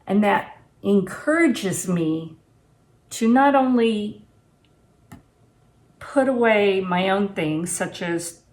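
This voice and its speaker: Her mid-range voice has a darkish tone and lively intonation, and she takes things slowly with frequent pauses. A woman in her sixties, she's a homesteading vlogger talking casually and unscripted to camera in a home kitchen, reviewing gear and giving plain-spoken, reflective advice.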